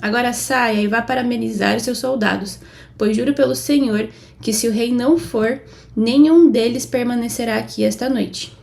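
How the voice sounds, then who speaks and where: This Bible reader has a Brazilian Portuguese accent and a slightly high voice with vocal fry, moving at normal speed. Her steady reading rises for quoted lines.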